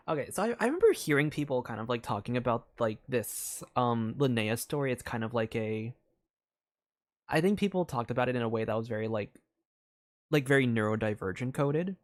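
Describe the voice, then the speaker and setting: A man streaming a story game, thinking aloud in a rambling way, with many fillers and restarts. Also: medium pitch. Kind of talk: casual live game commentary.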